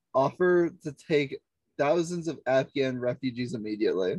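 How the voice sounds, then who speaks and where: Someone with an unremarkable speaking voice talks in an American accent, with a dry, close sound and no echo. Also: man. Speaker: podcast co-host. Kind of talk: casual banter, profane. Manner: joking, rambling.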